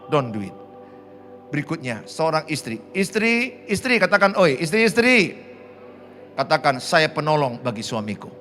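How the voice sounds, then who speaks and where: A man's voice: a little high, bright, forceful tone. A middle-aged man, preaching a sermon and having the congregation repeat lines after him. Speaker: pastor. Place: large church hall.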